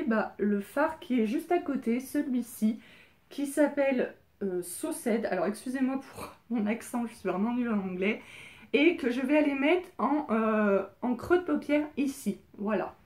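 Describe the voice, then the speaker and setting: Female beauty vlogger, higher-pitched, talks through a makeup look in a hesitant, chatty way; roomy echo on the recording. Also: expressive, a little mellow. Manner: chatty and hesitant, many filler pauses. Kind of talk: casual makeup tutorial.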